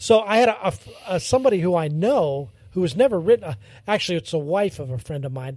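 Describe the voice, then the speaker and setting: At a fairly quick pace, a high-pitched man with an American accent swings his pitch very widely. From Pittsburgh, western Pennsylvania. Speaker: sports columnist. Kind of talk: casual chat.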